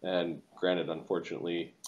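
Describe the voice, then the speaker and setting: A man's voice: low voice, flat delivery, normal speed. Game master, man in middle age, casual narration, slightly dull online-call sound. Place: indoor room, video call.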